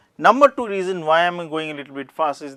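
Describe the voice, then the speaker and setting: A man speaks at a very fast pace in a bright, sharp tone. Pitch variation is ordinary, and the recording is very clean with a silent background. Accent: Indian. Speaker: professor. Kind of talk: lecture. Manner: halting.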